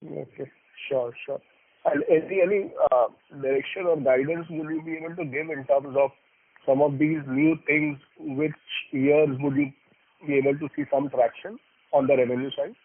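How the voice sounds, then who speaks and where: A man with an Indian accent puts questions as an investment analyst on an earnings call. His voice is husky and slightly high, and he is polite, hesitant and wordy. It comes over a garbled, narrow phone line. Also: fairly even intonation, normal speed, no room sound.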